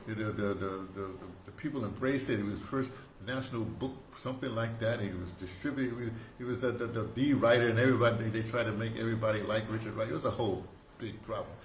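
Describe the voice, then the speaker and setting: A man in his seventies telling stories informally, in a halting, digressive way with emphatic stresses. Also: fairly low pitch. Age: 70s. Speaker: audio dramatist recounting theater history. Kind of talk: informal rambling storytelling to camera. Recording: roomy echo, background noise.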